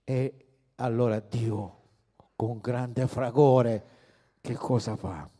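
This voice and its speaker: Un uomo che predica un sermone con fervore, passando da toni sommessi a slanci forti e interpellando i fedeli. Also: male voice, medium pitch, fairly even intonation, drawn-out words. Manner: rousing preacher, swings from hushed to loud, calls to the congregation. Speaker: pastor. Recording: long hall reverb.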